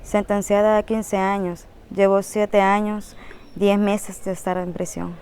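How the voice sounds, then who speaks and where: A woman's voice: mid-range voice, level tone, unhurried, darkish tone, smooth. A Salvadoran woman in her thirties stating facts about herself in an interview in a matter-of-fact way. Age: 30s.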